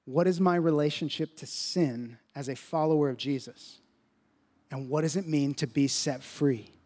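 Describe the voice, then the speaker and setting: A pastor delivers a sermon in a fairly high, bright male voice. He teaches with emphasis, pushing his pitch up to drive a point home. He also slows down deliberately over the phrases that matter most.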